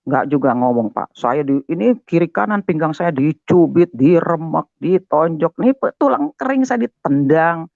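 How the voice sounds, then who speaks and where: An older man telling his conversion testimony as a guest, animated and talking straight to his listener. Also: fairly high pitch, normal speed, creaky, no room sound. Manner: animated, keeps addressing the listener as "Pak". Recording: dull, muffled, dry sound.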